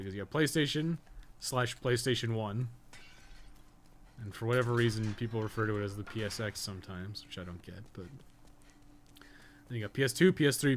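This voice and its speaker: A man's voice: mid-range voice, a little hiss or hum. A man rambling casually on a gaming live stream, swearing often as he talks. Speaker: gaming streamer and podcast co-host. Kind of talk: casual live-stream chat while playing.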